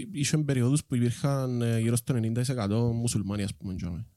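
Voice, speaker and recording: A man's medium-pitched voice with a dark, mellow tone, ordinary pitch variation and a moderate pace. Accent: Cypriot. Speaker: podcast co-host. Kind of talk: casual discussion, historical overview.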